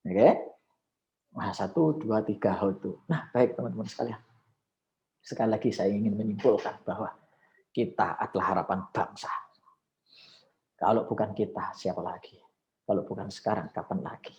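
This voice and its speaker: A man coaching public speaking on a video call, with lively swings of intonation and frequent exclamations. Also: on the low side, normal speed, pauses often, lo-fi sound. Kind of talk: coaching session with live speech demos. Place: online video call session.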